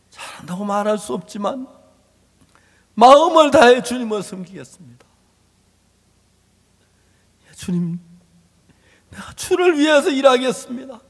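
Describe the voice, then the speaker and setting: A man voicing a remorseful adult fisherman disciple who shouts his self-condemning confession. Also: very high-pitched, voice pushed up, heavily acted. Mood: resolute. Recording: long hall reverb.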